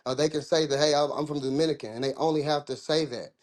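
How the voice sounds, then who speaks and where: A man's voice: on the high side, fairly even intonation, fast. A man from the American South with a Southern accent, talking in a casual discussion, rambling and restarting his sentences in informal speech.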